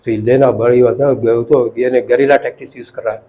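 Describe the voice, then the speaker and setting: An older retired professor, reminiscing in an interview, halting and repeating words, mixing in English phrases. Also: male voice, medium pitch, steady tone, mellow, poor audio.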